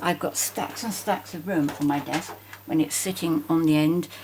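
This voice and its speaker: Against noticeable background noise, a woman with a British accent speaks at a moderate pace, her very deep, low pitch carrying lively intonation. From UK. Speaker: craft tutorial host. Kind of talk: tutorial. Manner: soft-spoken.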